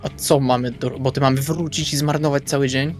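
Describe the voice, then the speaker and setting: A man's voice: mid-range voice, steady tone, fairly quick. A man taking part in a tabletop roleplaying game with casual, in-character planning talk. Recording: background music with guitar. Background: guitar music.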